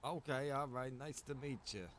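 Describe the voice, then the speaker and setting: A man's voice: mid-range voice, normal speed, fairly bright tone. A man improvising casual in-character chat in an online roleplay game, with a hesitant, easygoing manner. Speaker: roleplay game streamer playing a survivor.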